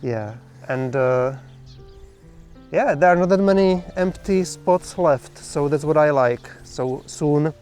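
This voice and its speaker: A man's voice: fairly high pitch, slow, darkish tone, soft background music. A man co-hosting a home vlog, showing his rock garden outdoors in a laid-back way with dry quips. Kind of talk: casual home vlog chat.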